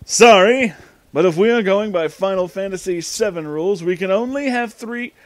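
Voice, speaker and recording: A man acting out an exasperated male nerd adventurer from a comic story. He is bossy and emphatic, pitched on the high side, with a dry, close sound. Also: normal speed, dry recording, natural voice. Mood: dismissive.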